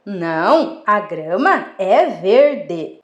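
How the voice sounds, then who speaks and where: A woman's voice: medium pitch, big pitch swings, drawn-out words, reverberant, lo-fi sound. A woman voicing a clever, proud tiger in a children's fable, asking indignant questions.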